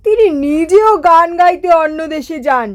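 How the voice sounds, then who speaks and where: A woman's voice: very high voice, animated, moderate pace, a little mellow. A woman voicing an earnest, cautious royal minister in a cartoon storybook tale, deferential yet argumentative. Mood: questioning, concerned.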